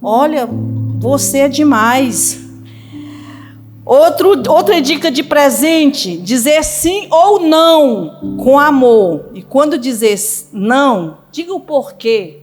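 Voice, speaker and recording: A woman pastor preaches in a conversational way, often pausing to check in with her listeners. Her voice sits a little high, and instrumental music plays clearly under her words in the church. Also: sing-song. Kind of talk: sermon. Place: church sanctuary. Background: music playing.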